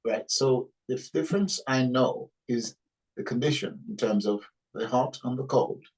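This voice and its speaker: A woman interviewing a guest, asking questions with hesitant, halting phrasing. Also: very deep voice, darkish tone, slightly rough. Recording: distant from the mic.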